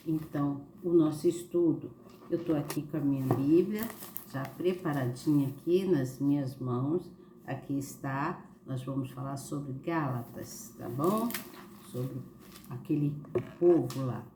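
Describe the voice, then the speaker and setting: Low-voiced Brazilian woman with a slight cold. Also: lively intonation, measured pace. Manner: conversational, frequent check-in tags. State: slight cold with occasional cough. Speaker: host of a Bible study channel. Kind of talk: informal devotional Bible teaching. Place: living room at home. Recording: roomy echo, faint background noise.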